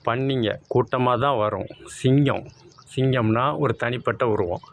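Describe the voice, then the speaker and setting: A man's voice: medium pitch, slight background noise. A man giving a talk on spiritual meanings of words, explaining patiently and repeating key phrases. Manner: repetitive, explains word sounds and meanings. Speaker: spiritual speaker.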